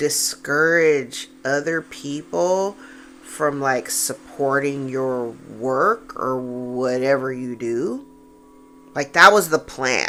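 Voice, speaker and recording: Over music in the background, a woman with a very deep, low pitch speaks at a very slow pace with ordinary pitch variation. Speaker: tarot reader. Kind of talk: tarot reading monologue.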